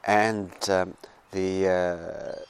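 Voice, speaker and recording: A man with an Australian accent talks through his thoughts in a casual, meandering monologue. His voice sits very low, and he often stops and restarts his phrases. He is recorded outdoors. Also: little pitch movement, clear, resonant tone. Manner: halting and digressive, restarting phrases. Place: outdoors with birds nearby.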